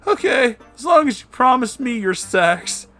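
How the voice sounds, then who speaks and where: A woman's voice: on the high side, very animated, a little slow, a bit bright, soft background music, voice pushed up. A woman voicing a nervous, lovestruck young male cartoon fox in a storybook reading, blurting things out earnestly. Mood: disappointed, pleading.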